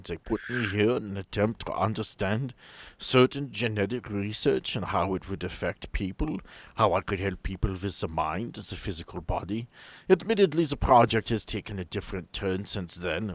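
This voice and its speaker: A man's voice: lowish voice, no room sound. A man voicing an unrepentant, courteous old German scientist in a tabletop game, with formal, rambling speech. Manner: formal, rambling, tagging questions with "yes?" and "right?".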